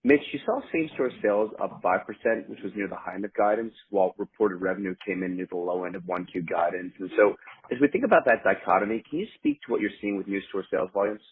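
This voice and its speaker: A man's voice: lowish voice, fast, breathy edge. A man speaking as a financial analyst, putting a question on an earnings call. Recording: narrow, muffled telephone line.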